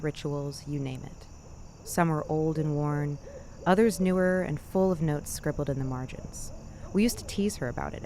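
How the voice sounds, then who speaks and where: A woman hosting a scary story show, narrating a scripted bedtime tale in a measured, deliberate way with dramatic pauses. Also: low voice, darkish tone, slight background noise. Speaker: host of a spooky story podcast.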